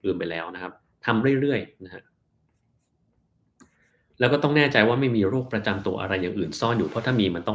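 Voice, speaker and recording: Viewers send health questions to a male doctor's live stream, and he reads them out before responding in easygoing, plain language. When a term needs explaining, he slows down. His pitch is fairly low.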